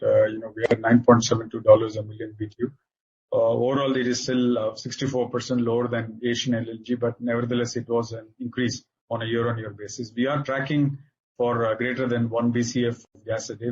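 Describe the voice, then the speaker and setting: A man with an Indian accent delivers a corporate results presentation on a dull, lo-fi conference call. His voice is slightly rough and husky at a medium pitch. He speaks haltingly, padding his phrases with frequent filler sounds as an executive walking through figures. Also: darkish tone.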